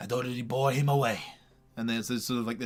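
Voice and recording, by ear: Fairly even intonation marks this reading aloud in a natural voice.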